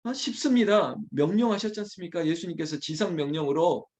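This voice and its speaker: A pastor leads an early morning prayer sermon, speaking candidly and conversationally as he teases and scolds his small congregation, then swiftly apologizes. His voice is a little high, animated and darkish in tone.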